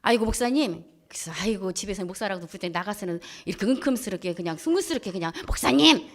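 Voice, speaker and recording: A woman pastor giving a church testimony, telling her story in a lively, colloquial way. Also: mid-range voice, very fast. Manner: lively colloquial storytelling, acting out quoted voices. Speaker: pastor and head of a Christian broadcaster.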